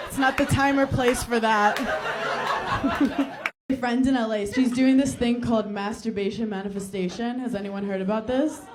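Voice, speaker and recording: A woman from New York doing stand-up crowd work, teasing audience members in brash, rapid banter on a club stage. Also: on the high side, steady tone, background noise. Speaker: stand-up comedian. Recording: live club with crowd laughter.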